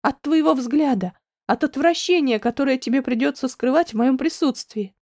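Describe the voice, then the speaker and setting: A woman's voice: sits high, moderate pace, darkish tone, no room sound, studio quality. A woman voicing a distraught young woman, speaking in raised, pleading, tearful outbursts.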